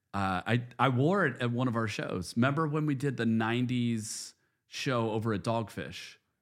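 In a very clean recording with a silent background, a man uses a normal speaking voice at a medium pitch, with ordinary pitch variation and a moderate pace. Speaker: podcast co-host and band member. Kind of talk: casual chat. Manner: jokey, laid-back.

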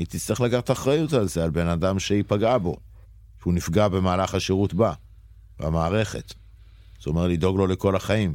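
A man with a very deep, low voice speaks at a fairly quick pace with ordinary pitch variation and long, frequent pauses, on a very clean recording with a silent background. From Israel, Jerusalem. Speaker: mentor and martial arts coach. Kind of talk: podcast interview. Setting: studio.

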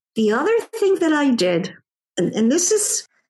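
Speaking at a fairly quick pace, a woman uses very wide pitch swings. Her voice is somewhat breathy, with an American accent. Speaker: voice teacher. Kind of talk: interview conversation.

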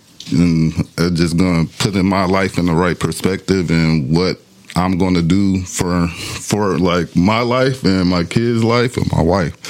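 With an American accent, the speaker talks at a fairly slow pace with very even loudness and ordinary pitch variation, amid noticeable background noise. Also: man, very deep, low pitch for a man. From Long Beach, California. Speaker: podcast guest. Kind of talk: casual chat.

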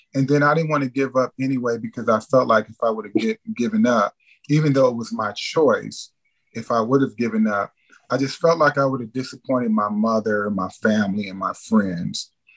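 A man with an American accent talks at a fairly quick pace in a plain, everyday voice. His pitch is medium with ordinary variation, in a dry, close sound with no echo. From Michigan, US. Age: 40s. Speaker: magazine editor and fashion photographer. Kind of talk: interview testimony.

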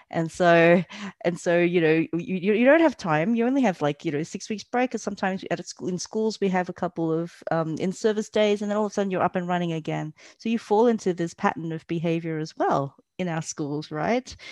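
In a dry, close recording with no echo and a quiet background, a woman speaks with an Australian accent at a fairly low pitch. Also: ordinary pitch variation, fairly quick pace. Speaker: educator. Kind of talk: interview.

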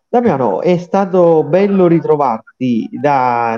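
A man's voice has a dark, mellow tone. The sound is dry and close, with no echo. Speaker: poet and commentator.

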